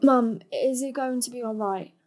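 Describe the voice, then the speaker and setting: A woman's voice: a little high, moderate pace, darkish tone, close to an everyday voice. A woman acting a guileless young adult daughter in a stage drama, plaintive, naive and easily annoyed. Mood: naive, needy. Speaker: stage actor. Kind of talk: dramatic dialogue in a play.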